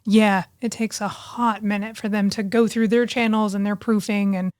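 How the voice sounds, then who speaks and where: A woman's voice: medium pitch, level tone, moderate pace, darkish tone, no echo, studio quality. A young adult woman co-hosting a podcast in casual chat, laughing often and acting out the lines she quotes. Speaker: podcast co-host, author.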